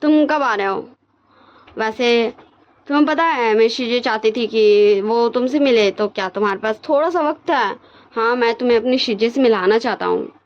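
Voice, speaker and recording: A woman's voice: fairly high pitch, moderate pace, lightly acted. A woman voicing an easygoing young male college friend who reassures his buddy on the phone, in a lo-fi recording. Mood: friendly.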